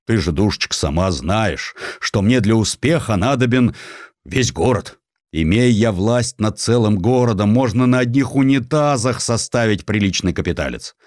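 A male narrator plays a greedy tsarist police official, smug and self-important. The delivery is pompous and wheedling, with animated swings of pitch. The sound is dry and close. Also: normal speed, no echo, close to an everyday voice. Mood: self-justifying.

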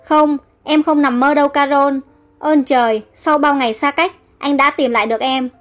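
A woman's voice: high-pitched, fairly even intonation, moderate pace, natural voice. A woman reading as an earnest protective elder brother. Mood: moved. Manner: earnest, reassuring.

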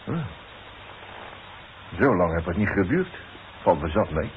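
Grumbly wary workman, low voice that moves around a lot, noisy old radio play. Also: very animated, a little slow. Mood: grumbling, wary. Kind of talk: 1960s Dutch radio play acting. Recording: tinny, very noisy 1960s radio recording.

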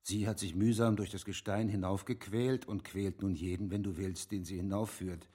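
An actor playing a practical, candid army captain in a radio play, matter-of-fact and measured. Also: male voice, low-pitched, fairly even intonation, mellow, husky. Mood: candid, confidential. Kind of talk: German radio play acting.

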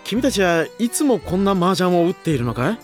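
A man's voice: high voice, sing-song, brisk, faint music behind. An actor playing a mild, flustered, apologetic man who hesitates and stammers in an anime audio drama. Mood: hesitant.

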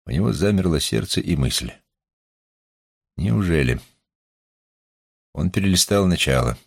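A man reading a literary novel aloud in a measured, expressive storytelling manner, with a husky, creaky voice. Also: sits low, no room sound, clean studio sound. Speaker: audiobook narrator.

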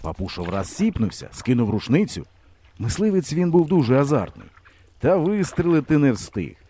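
A man narrating a storybook in a lively, expressive way. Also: medium pitch, moderate pace, a little hiss or hum. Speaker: audiobook narrator. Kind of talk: storybook reading.

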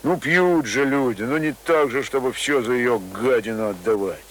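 An actor playing a rough but kindly middle-aged village man in a radio play, muttering and sighing in speech. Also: mid-range voice, normal speed, lightly acted. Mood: bitter, rueful. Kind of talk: Russian radio play acting. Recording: noisy radio drama recording.

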